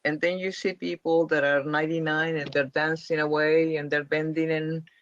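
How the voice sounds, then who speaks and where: A man's voice: on the high side, level tone, normal speed, a bit bright, dry recording. A man leading a spiritual question-and-answer class, explaining emphatically and repeating his points. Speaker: spiritual teacher. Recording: dull lo-fi dry sound.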